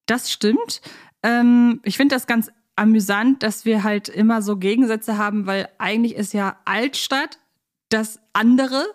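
A woman's voice: on the high side, measured pace. A woman hosting a podcast, talking casually in a chatty, thoughtful way as she explains her views on children's audio dramas. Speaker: podcast host.

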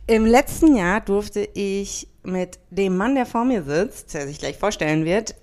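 A woman's voice: mid-range voice, expressive, measured pace, a little mellow. A woman in her late thirties from Berlin, co-hosting a casual podcast in a cheerful, easy manner. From Berlin, Germany. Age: 30s. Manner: cheerful, laughs often. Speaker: podcast co-host. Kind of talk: casual chat.

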